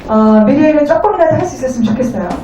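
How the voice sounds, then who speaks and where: High-voiced woman interpreter in echoey room. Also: lively intonation, mellow, recorded from a distance, slight background noise. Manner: halting, polite formal phrasing. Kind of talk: consecutive interpreting of a lecture. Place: echoey indoor venue.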